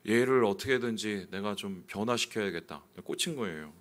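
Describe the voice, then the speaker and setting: A male pastor preaching a sermon, telling a personal story candidly and swinging suddenly between loud and quiet. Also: on the low side, moderate pace.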